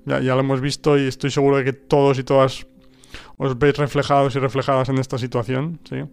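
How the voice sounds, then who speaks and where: Soft music plays behind a fairly quick, flat male voice of medium pitch with vocal fry and a darkish, smooth tone. He's a Spanish-speaking host of a podcast about learning languages, reflecting casually on his ideas with many restarts and rhetorical "¿no?" tags.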